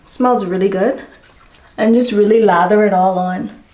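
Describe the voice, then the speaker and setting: A woman's voice: medium pitch, steady tone, unhurried, a little mellow. A young woman casually talking through her hair-care routine for a vlog, chatty and often correcting herself mid-sentence. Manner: chatty, self-correcting, talks through each step. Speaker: beauty vlogger. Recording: echoey home room, faint ambient noise.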